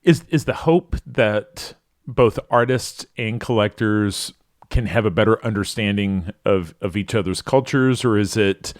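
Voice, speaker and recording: A man's voice: on the low side, a little slow, no echo, clean studio sound. A man hosting a podcast interview, giving short listening cues and asking questions with hesitant restarts. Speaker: podcast host.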